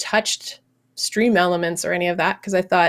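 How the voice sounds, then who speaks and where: A woman's plain, everyday voice with ordinary pitch variation. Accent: Canadian. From Canada, Ottawa. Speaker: live streaming podcast co-host. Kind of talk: casual chat.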